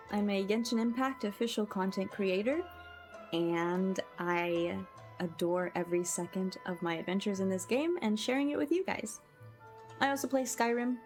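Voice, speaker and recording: With music running in the background, a woman streams a game and talks warmly and casually to her audience, frequently thanking them. She's a content creator whose mid-range voice carries a darkish tone.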